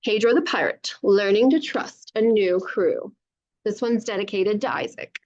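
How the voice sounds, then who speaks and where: A woman reading a storybook aloud to children over a video call, with animated narration and encouraging, chatty asides, in dull lo-fi sound. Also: mid-range voice, unhurried. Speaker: children's author reading own book aloud.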